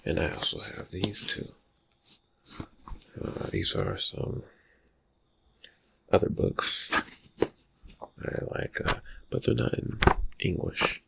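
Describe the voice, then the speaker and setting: A man playing a reclusive, slyly menacing vampire friend in an ASMR roleplay, murmuring haltingly in a raspy, breathy voice with dry suspicion. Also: low voice, huge pitch swings, noisy background, full character voice. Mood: soft, musing. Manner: hesitant, halting, laconic, dryly suspicious. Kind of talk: ASMR roleplay, soft-spoken character talk.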